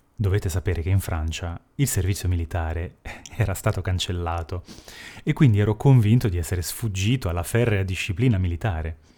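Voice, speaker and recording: A man with a very deep, low pitch speaks at a fairly quick pace in a dark, mellow tone that is somewhat breathy. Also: ordinary pitch variation. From France and Italy. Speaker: actor. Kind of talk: personal storytelling.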